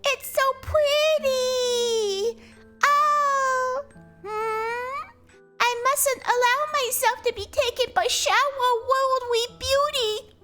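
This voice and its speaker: A tiny, eerie girl saint, prim and pious, in a piping, very high voice that drags slowly over each formal phrase. Faint music plays underneath. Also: a bit bright, exaggerated voice. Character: solemn six-year-old girl saint, eerie.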